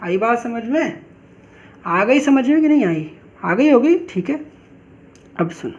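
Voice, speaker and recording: A woman's voice: on the high side, a little mellow. Woman teaching chemistry, self-answering questions. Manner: asks questions and answers them herself, drawls key terms slowly. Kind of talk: online class lecture. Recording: dull lo-fi recording.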